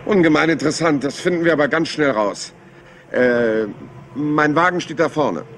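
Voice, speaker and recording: A man's voice: fairly high pitch, normal speed, fairly bright tone, a little hiss or hum. Rambling, apologetic male police inspector. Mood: musing, chatty. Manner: hesitant, rambling, courteous, mock-modest. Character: rumpled, polite, apologetic male police inspector, deceptively scatterbrained. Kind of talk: German crime radio play acting.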